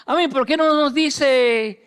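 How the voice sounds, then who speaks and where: A man preaching a sermon as a pastor. He reads scripture, acts out the people in the story and moves between loud emphasis and hushed lines, with English fillers dropped into his speech. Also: very high-pitched, slow pace. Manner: acts out the voices of the people in the text.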